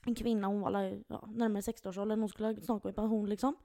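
A young adult woman co-hosting a podcast, telling a story in an animated way and laughing often. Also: medium pitch. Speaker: podcast co-host. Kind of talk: casual storytelling.

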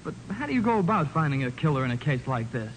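An actor playing an earnest, polite grown son in a 1940s radio crime drama. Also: male voice, fairly high pitch, very animated, quick pace. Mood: polite, concerned. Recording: noisy 1940s radio recording.

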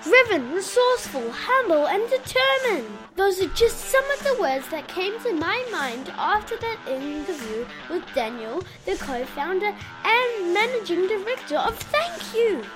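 A woman's voice: very high-pitched, very animated, measured pace, few pauses, over music, low-quality recording. A woman hosting an interview, delivering a scripted introduction and prepared questions. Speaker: interviewer and host.

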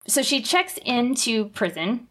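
A woman's voice: fairly high pitch, sing-song, measured pace, fairly bright tone. A young woman co-hosting a podcast, retelling a story in a chatty way with lots of fillers and laughs. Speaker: podcast co-host. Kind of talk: casual chat, retelling a memoir.

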